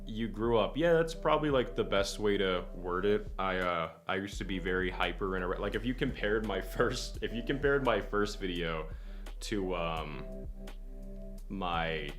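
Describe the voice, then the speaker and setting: Rambling low-voiced young man on stream. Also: animated, normal speed, a bit bright. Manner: rambling, self-deprecating, swears casually. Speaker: guest content creator. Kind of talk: casual livestream chat. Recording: lofi music playing faintly behind.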